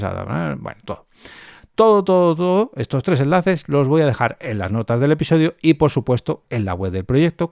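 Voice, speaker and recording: A man's voice: medium pitch, darkish tone, no room sound, clean studio sound. A man with a Spain Spanish accent hosting a solo podcast, explaining things informally with emphatic repetitions in a conversational review style. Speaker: podcast host.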